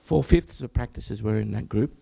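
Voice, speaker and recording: An Australian man, a general practitioner, presenting to health professionals at an information session, with a croaky, hoarse voice; he clears his throat often and breaks off to restart phrases. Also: lowish voice, normal speed, dark tone. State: hoarse, croaky from much talking.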